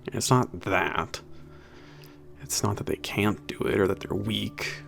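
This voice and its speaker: A man playing a big, burly, soft-hearted werewolf maintenance trainer in an ASMR roleplay, talking to the listener in a halting, casual, sweary and earnest way. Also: fairly low pitch, creaky, soft background music, heavily acted. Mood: apologetic, encouraging. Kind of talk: ASMR roleplay audio drama, spoken to the listener.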